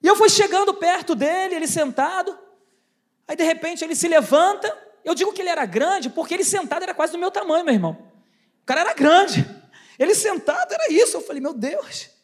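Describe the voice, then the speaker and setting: A woman giving a lively church testimony, telling a story and acting out the dialogue in a dramatic, animated way. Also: extremely high pitch, fast talker. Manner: animated storytelling, acts out dialogue, stammering asides. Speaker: lay preacher giving a testimony. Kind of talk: testimony preaching.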